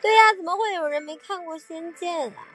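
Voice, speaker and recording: A woman's voice: very high-pitched, brisk, a bit bright, soft background music. A woman hosting a casual livestream, chatting with viewers and laughing at her own slips of the tongue. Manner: sings along with songs between chatting. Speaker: livestream host.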